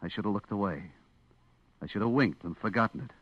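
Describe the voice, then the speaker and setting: A man's voice: fairly low pitch, a little fast, dry recording, close to an everyday voice. An actor playing a brash, lovestruck young American supermarket clerk, telling his story confidingly in slangy radio suspense style. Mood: smitten, hushed. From eastern United States. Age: young adult. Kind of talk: 1950s radio suspense acting, first-person narration. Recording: dull vintage radio recording with music.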